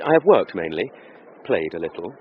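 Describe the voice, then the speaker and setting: An earnest, wistful young Victorian clerk in a radio drama. His voice is mid-pitched and moves expressively up and down. The recording is slightly muffled, with light hiss. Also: sing-song, fairly quick. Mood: reflective. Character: young Victorian clerk, lovesick and self-doubting. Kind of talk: period radio drama acting. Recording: dull recording with faint hiss.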